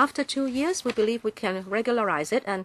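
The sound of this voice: The speech moves at a fairly quick pace, with ordinary pitch variation and a fairly bright tone. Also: woman.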